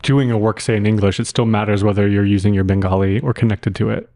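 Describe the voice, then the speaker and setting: A man's voice: fairly low pitch, fairly even intonation, quick pace, mellow. A man hosting a reflective discussion, tentatively rephrasing his thoughts as he goes. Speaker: podcast host.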